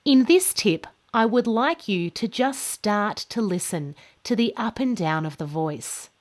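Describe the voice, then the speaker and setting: Slow-paced woman teaching pronunciation. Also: mid-range voice, expressive. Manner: deliberate, carefully enunciated with marked stress. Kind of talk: instructional lesson to camera, scripted. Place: small indoor studio with plain backdrop.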